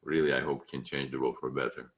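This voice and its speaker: Man, extremely low, deep voice, brief quick thanks, halting phrases. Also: flat delivery.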